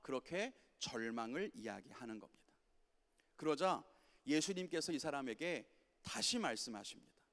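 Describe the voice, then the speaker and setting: A man preaching a sermon to a youth congregation, impassioned, with swings from loud commands to quiet low lines. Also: big pitch swings, moderate pace. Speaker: pastor. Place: church sanctuary. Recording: church sanctuary with long reverb.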